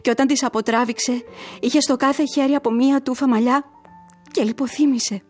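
A woman's voice: high voice, steady tone, a little mellow, faint music behind. An actress playing a grieving young woman who tells her story earnestly and emotionally, as in a letter read aloud in a radio drama.

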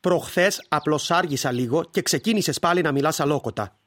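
A man's voice: a little high, a bit bright, no echo, close to an everyday voice. An actor playing an impatient husband who gambles and scolds his wife in curt, exasperated lines. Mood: annoyed. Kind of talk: audio drama acting.

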